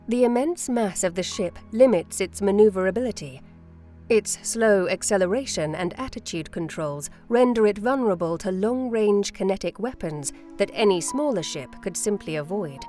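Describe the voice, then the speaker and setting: Formal woman narrator over soft music. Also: medium pitch, expressive. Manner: formal, measured delivery. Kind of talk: scripted documentary-style narration.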